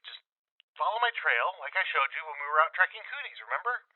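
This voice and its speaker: A man acting in an audio drama as a grieving but hopeful father leaving audio logs in a wasteland, halting and tender, through a lo-fi recorder filter. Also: a little high, expressive, no echo. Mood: fragile hope. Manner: halting, tender, sometimes dropping to a whisper. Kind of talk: full-cast audio drama, in-world audio log. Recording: tinny band-limited log recording.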